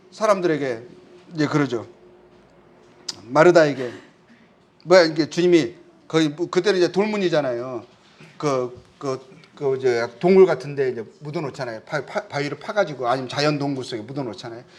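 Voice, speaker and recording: High-voiced Korean man preaching a sermon. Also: moderate pace. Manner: retells scripture in lively storytelling, quoting figures in speech; frequent fillers and restarts, emphatic repetition. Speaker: pastor. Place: church.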